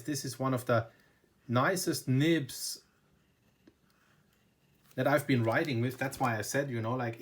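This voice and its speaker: A German man speaking English with a German accent, chatting casually and with enthusiasm as he reviews a pen at his desk. He keeps stacking up "very, very" and "you know" in a relaxed, unscripted way. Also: medium pitch. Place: indoors at a desk.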